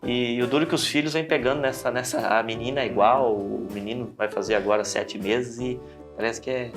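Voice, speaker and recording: A man's voice: medium pitch, fairly quick, over music. A Brazilian man, a pastor, telling stories in a casual podcast chat and acting out the voices of the people in them. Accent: Brazilian Portuguese. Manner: animated, acts out voices in his stories. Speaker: pastor, guest.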